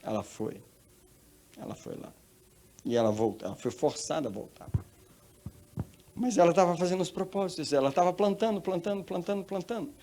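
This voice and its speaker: A man's voice: high voice, lively intonation, a little fast, pauses often, warm tone, slight background noise. A male pastor with a Brazilian Portuguese accent, preaching a sermon and telling a story with emphatic repetition. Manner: emphatic storytelling, repeats phrases.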